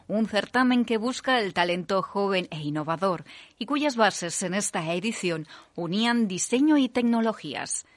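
Woman, radio news presenter, clear even delivery, dry studio sound. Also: medium pitch, dry recording. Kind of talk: scripted news reading.

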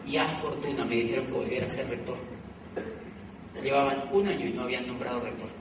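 A middle-aged Colombian man telling a live motivational story, animated, repeating phrases and laughing at himself. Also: medium pitch, quick pace. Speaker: motivational speaker. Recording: echoey hall, from far off, noisy.

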